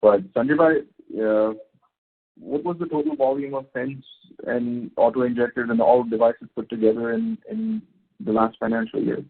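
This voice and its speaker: A man answering questions as a company executive on a conference call, speaking in halting, unscripted phrases. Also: medium pitch, animated, creaky, husky. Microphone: phone conference call. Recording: tinny narrow phone line.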